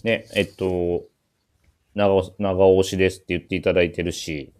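A man's voice: deep voice, flat delivery, moderate pace, darkish tone. A man with a Kansai accent hosting a casual chat show, teasing and quipping back. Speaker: radio show host.

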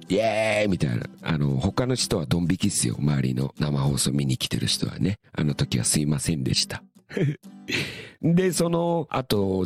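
A middle-aged man hosting a radio show, telling rambling stories in a relaxed, chuckling way. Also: a bass voice. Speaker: radio show host and musician. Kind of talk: casual radio storytelling.

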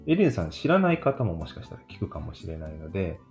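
A woman's voice: extremely low pitch, very animated, fast, vocal fry, darkish tone, faint music behind. A woman hosting a casual, polite interview, attentive and often chiming in with short responses. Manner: attentive, frequent backchannels. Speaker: podcast interviewer.

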